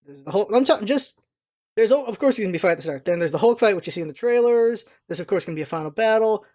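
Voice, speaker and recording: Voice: mid-range voice, lively intonation, very fast, a little mellow. A vlog host talking casually and off the cuff, with an informal, opinionated and emphatic manner. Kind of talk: casual rambling solo vlog commentary.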